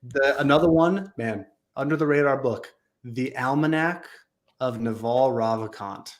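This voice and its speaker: A man's voice: medium pitch, measured pace. A man speaking as a guest on a casual podcast, earnest and enthusiastic, with casual slang. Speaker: podcast guest, business leader.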